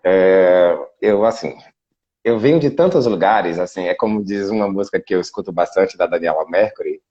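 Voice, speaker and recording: Brazilian man, husky low voice, dull video-call sound, chatty explainer. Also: moderate pace, warm tone. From Brazil (Salvador, Bahia). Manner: explanatory, many fillers like "né". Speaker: guest, international relations specialist. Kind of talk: casual video interview. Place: Portugal.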